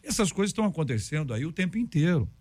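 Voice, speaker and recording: A man's voice: fairly high pitch, very animated, very fast, darkish tone, no room sound. A man hosting a casual church talk, joking and conversational. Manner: joking, conversational, self-deprecating.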